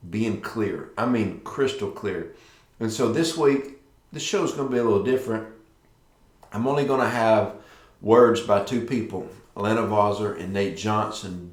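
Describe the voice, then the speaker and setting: A man's voice: lowish voice, a little mellow. A middle-aged man hosting a devotional show of prophetic words, speaking carefully through a sore, stitched mouth after dental surgery. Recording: echoey, roomy sound.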